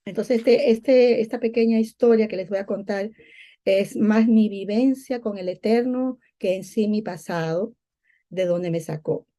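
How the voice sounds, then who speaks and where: A woman's voice: medium pitch, unhurried, mellow. A middle-aged woman from Peru giving a personal religious testimony conversationally, often repeating herself as she searches for words.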